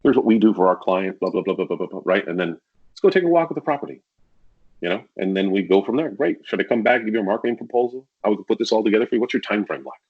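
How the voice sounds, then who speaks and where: A man talking candidly as a guest on a casual podcast, acting out sales pitches as he tells stories. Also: expressive, rapid-fire, breathy edge, lo-fi sound. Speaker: podcast guest, real estate agent.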